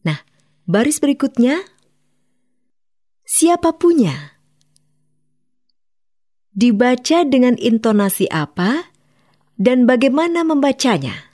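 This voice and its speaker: Slow, melodic woman narrating a lesson. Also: a little high, a little mellow. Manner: slow, clear, instructive. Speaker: educational program narrator. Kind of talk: scripted narration for children.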